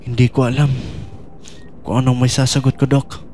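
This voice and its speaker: A man's voice: medium pitch, level tone, normal speed, dark tone, soft background music, lightly acted. Man acting a brooding, haunted audio drama hero. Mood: guilty, confessing. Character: troubled man haunted by lost, guilty memories.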